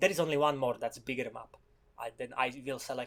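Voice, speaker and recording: A man with a Slovak accent, fairly quick in pace, with fairly even intonation. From Slovakia. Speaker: gaming commentator. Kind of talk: gameplay commentary. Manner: casual, halting with restarts.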